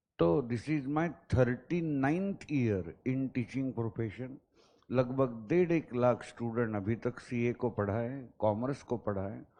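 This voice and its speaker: A man's dark, mellow tone at a medium pitch, with ordinary pitch variation. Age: 50s. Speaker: teacher. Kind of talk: lecture. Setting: classroom.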